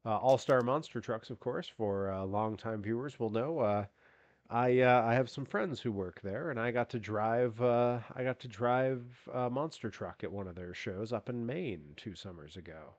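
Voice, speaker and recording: Mid-range and moderately paced, the man's voice comes through a dry, dull-sounding recording. He's a streamer casually chatting during a video game, rambling with many restarts and fillers, and his allergies leave him congested, as if he had a cold.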